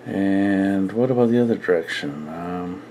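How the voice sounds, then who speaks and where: A man with a deep, gravelly voice talks through his hobby casually. He takes his time, thinking aloud at an unhurried pace, as if showing a friend around his desk. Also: warm tone. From Canada. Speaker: radio hobbyist. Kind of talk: casual demonstration to camera. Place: indoor radio desk at home. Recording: faint background noise.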